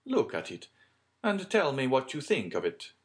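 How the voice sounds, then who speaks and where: A man voicing a suave middle-aged count from a storybook, speaking in a deliberate, dramatic and darkly insinuating way. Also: mid-range voice, huge pitch swings, voice pushed up.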